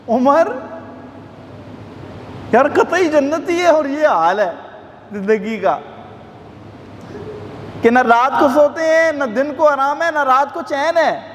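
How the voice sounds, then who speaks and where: A man delivers an emotional storytelling sermon with a Pakistani Urdu accent, his voice rising and falling with feeling. His pitch sits high for a man. The recording is echoey, from a large mosque hall with faint ambient noise. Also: a bit bright. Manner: impassioned, rising and falling delivery, quotes figures in his own voice. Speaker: mosque preacher.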